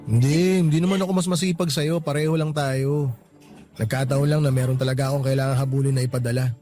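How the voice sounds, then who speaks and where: A man with a Filipino accent acting as an affectionate, easygoing boyfriend in a radio romance drama, speaking in a conversational, expressive way. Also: medium pitch, fast, soft background music, natural voice. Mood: apologetic, curious.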